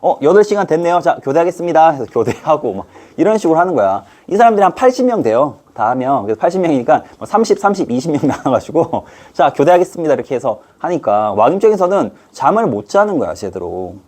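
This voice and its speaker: A middle-aged man teaches history to students in a playful, chatty way. His voice is a bit husky, and his pitch rises and falls with lively energy. He keeps slipping into short put-on voices to act out scenes. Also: quick pace, few pauses. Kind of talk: lively online history lesson.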